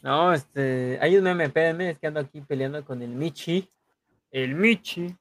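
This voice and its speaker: A Mexican man hosts a casual chat in a fairly high voice with a dry, close sound. His talk is colloquial street slang, and he halts and repeats phrases as he goes. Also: normal speed, a bit bright, no room sound. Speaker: podcast host.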